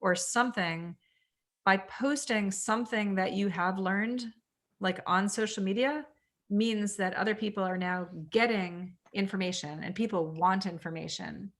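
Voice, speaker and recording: A woman's voice: mid-range voice, unhurried, fairly bright tone. Chatty woman coaching a video class. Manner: chatty, candid, full of "like" and acted-out quotes. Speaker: real estate coach leading a training session. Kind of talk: motivational online class talk. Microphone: video call.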